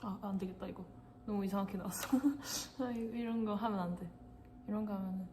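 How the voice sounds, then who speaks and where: A woman's voice: mid-range voice, steady tone, fairly quick, warm tone, a little hiss or hum. A young woman hosting a casual livestream, chatting and giggling as she talks straight to her viewers.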